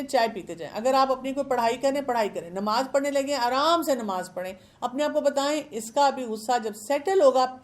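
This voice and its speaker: A woman's voice: on the high side, darkish tone. A woman with a Pakistani Urdu accent, a parenting expert who explains with everyday examples and questions, mixing English words into her talk.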